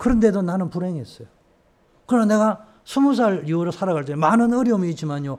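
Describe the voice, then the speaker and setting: A man at a high pitch and a very fast pace, with an animated tone and lively intonation. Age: 60s. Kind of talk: sermon.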